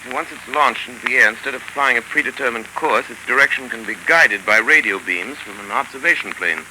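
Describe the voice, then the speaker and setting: An actor playing a calm gentleman detective who explains things patiently, in 1930s radio drama acting. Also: mid-range voice, a little fast, rough recording. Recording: hissy 1930s radio broadcast recording.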